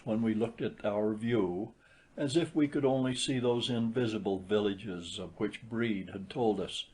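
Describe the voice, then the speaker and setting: A man's voice: lowish voice, a little mellow. A man reading a literary short story aloud as an audiobook narrator.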